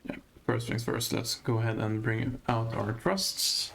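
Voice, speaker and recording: A man's voice: fairly low pitch, level tone, a little slow, creaky, a bit bright, a little hiss or hum. A man with a Swedish accent giving gameplay commentary, thinking aloud as he finds his way through a game. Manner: thinking aloud while navigating, hesitant. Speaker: let's play host.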